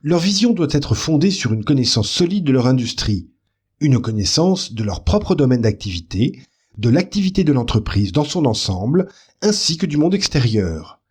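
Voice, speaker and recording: A man reading scripted corporate training narration as an e-learning narrator, calm and explanatory. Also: mid-range voice, normal speed, breathy edge. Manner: calm, explanatory, pleasant delivery.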